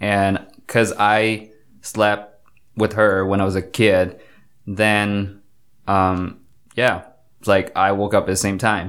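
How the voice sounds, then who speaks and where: A man speaks at a very slow pace in a fairly low pitch with monotone, flat intonation. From China. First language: Chinese. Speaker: former student, missionary. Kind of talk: interview.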